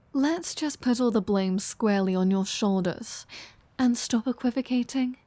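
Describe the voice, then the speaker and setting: Slow-talking, teasing vampire woman, acted by a woman. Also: a little high, mellow, no echo, lightly acted. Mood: teasing, sardonic. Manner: teasing, sardonic, foul-mouthed. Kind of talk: intimate roleplay audio drama.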